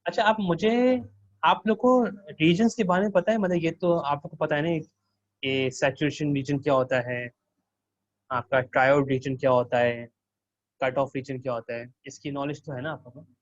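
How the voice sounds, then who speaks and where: A man's voice: a little high, fairly even intonation, moderate pace, no room sound, muffled recording. A man working as a teaching assistant, walking students through a circuit simulation and quizzing them with questions.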